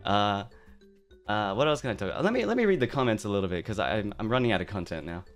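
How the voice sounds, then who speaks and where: A man's voice: lowish voice, big pitch swings, fast, soft background music. A man streaming, chatting casually and playfully about his likes and interests, with fillers and asides. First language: English. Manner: playful, mock-tough opening, rambling asides. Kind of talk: casual live-stream chat.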